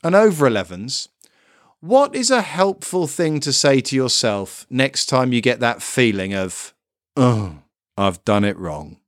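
A middle-aged man giving a children's sermon, emphatic and expressive, building lists and ending in prayer. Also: mid-range voice, measured pace, no echo. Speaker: preacher. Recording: dry close recording.

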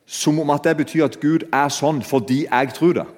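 A man's voice: fairly high pitch, darkish tone. A man preaching a sermon in a conversational way, talking straight to his listeners. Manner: conversational, addresses listeners directly. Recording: long hall reverb.

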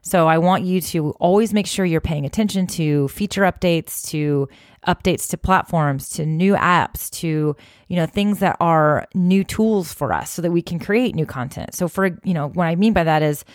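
Low-voiced woman giving friendly advice. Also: moderate pace, no room sound, clean studio sound. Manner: encouraging, conversational, many "you know" fillers. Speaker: social media marketing host. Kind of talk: direct-to-camera advice talk.

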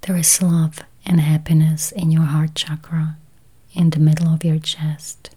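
Whispering, breathy woman guiding meditation slowly. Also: low-pitched, little pitch movement, dark tone. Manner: slow, soothing, with long pauses. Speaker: guided meditation host. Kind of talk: whispered guided meditation with affirmations.

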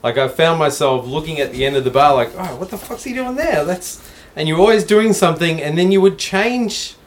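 A man's voice: a little high, animated, a little fast. A man hosting a casual interview, talking with eager enthusiasm and casual swearing. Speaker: podcast host.

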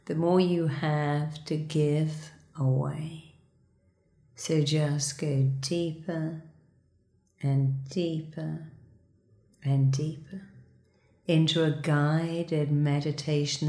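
A woman leading a guided meditation, giving slow, soothing, repetitive instructions for breathing and a body scan. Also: sits low, mellow, reverberant.

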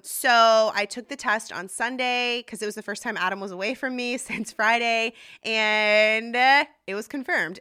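A woman's voice: a little high, sharp tone. A woman in her thirties hosting a casual solo podcast, talking in a chatty, confiding way with many restarts and asides. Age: 30s. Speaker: podcast host.

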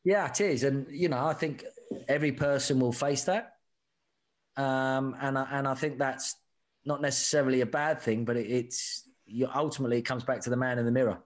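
A middle-aged English rugby sevens coach, appearing as a guest, tells stories in a candid, animated, conversational way, often repeating words and calling people "mate". His voice is mid-range and steady in tone, and he speaks briskly.

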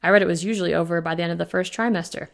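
A woman's voice: on the low side, steady tone, very fast, creaky. A woman voicing an anxious, protective young man expecting twins, worried and insistent.

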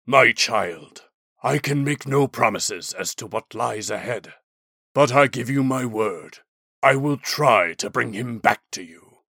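A man voicing a mighty, grave but kindly shaman elder in a fantasy audiobook, with a deep, booming, solemn and commanding delivery. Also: animated, slow, bright, forceful tone, dry recording, clean studio sound, heavily acted. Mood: solemn kindness.

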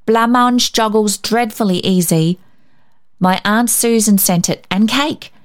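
A woman's voice: medium pitch, unhurried, natural voice. A woman voicing an earnest, chatty small boy on an errand in a storybook. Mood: earnest, careful.

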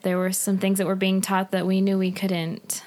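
A young woman, a podcast guest, calmly recounting her experiences in a measured way. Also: medium pitch. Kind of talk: interview answers.

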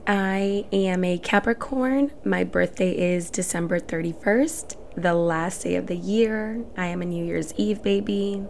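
A woman in her twenties hosts her own podcast, talking on her own in an earnest, reflective way. Her voice sits low and has a lot of vocal fry. A faint hiss runs under the recording. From El Salvador, raised in Houston, Texas. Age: 20s. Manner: earnest, reflective, speaks in short phrases. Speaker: podcast host. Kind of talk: solo podcast monologue.

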